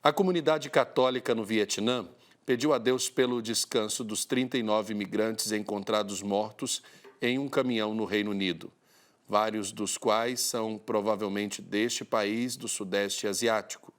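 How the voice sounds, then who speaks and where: A priest hosting a Catholic TV program, reading church news in a steady, formal newsreader manner. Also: male voice, fairly low pitch, normal speed.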